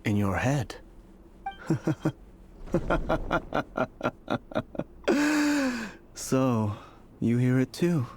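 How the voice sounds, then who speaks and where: A man's voice: medium pitch, lively intonation, very slow, darkish tone, a little hiss or hum. An actor playing a weary, cryptic male prophet of fate, speaking formally and ominously in a fantasy game. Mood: eerie, knowing. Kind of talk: dramatic video game voice acting. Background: game music.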